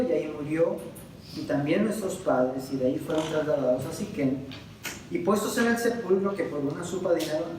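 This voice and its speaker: A man's voice: on the high side, slight background noise. A man with a Puerto Rican accent teaching a Bible class in a preaching style, emphatic, drawing out some words and questioning his listeners directly. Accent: Puerto Rican Spanish. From Puerto Rico. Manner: emphatic, swings between loud stresses and slow drawn-out words; addresses the audience directly with questions. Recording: very echoey, distant room recording.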